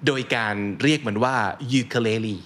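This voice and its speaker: A man with a Thai accent hosting a relaxed conversation and sharing his own stories in Thai and English. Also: medium pitch, measured pace, slight background noise. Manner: reflective, tells anecdotes. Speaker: host.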